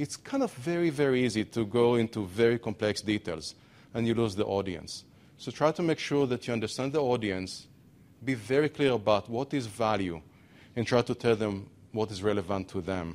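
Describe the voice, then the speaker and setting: A man with an ordinary speaking voice, medium pitch, ordinary pitch variation and a moderate pace, in a very clean recording with a silent background. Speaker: health economics researcher, lecturer. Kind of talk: conference lecture.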